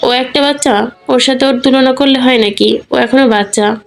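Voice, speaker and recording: A woman's voice: high voice, normal speed, vocal fry. Woman voicing a cheerful, teasing young woman. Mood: affectionate. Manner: lively, teasing.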